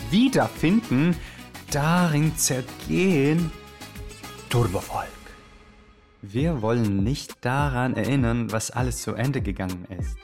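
An actor playing an excitable, euphoric Yugoslav male radio host with a theatrical, rambling way of moderating a live show. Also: medium pitch. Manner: theatrical, rambling, exuberant, switching from hushed to shouting. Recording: music behind the voice. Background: music.

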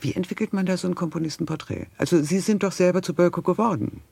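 Husky, creaky male interviewer. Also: sits high, quick pace, a little mellow, dry recording. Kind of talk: radio interview.

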